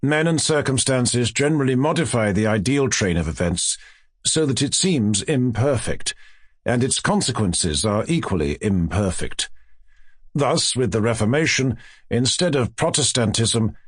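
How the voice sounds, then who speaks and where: Male audiobook narrator for classic fiction: formal, highly varied intonation, very dry recording. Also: sing-song, unhurried, breathy edge, no echo.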